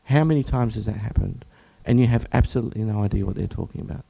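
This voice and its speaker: Hoarse Australian man giving a health talk. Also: lowish voice, fast talker, mellow. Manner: clears throat often, breaks off and restarts phrases. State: hoarse, croaky from much talking. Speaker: general practitioner presenting at an information session. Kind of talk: presentation to health professionals.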